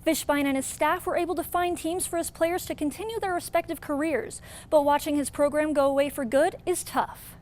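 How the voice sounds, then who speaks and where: A woman's voice: high-pitched, fairly even intonation, brisk, hardly any pauses, darkish tone. A woman with an American accent reading a scripted sports newscast as the anchor.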